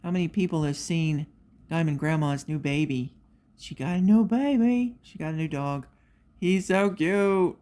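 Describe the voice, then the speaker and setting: A middle-aged woman with a slightly low voice hosts a craft session, chatting casually as she works. She tells stories in an animated, chatty way and slips into little quoted voices. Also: moderate pace. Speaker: craft video host. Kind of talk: casual chat while diamond painting.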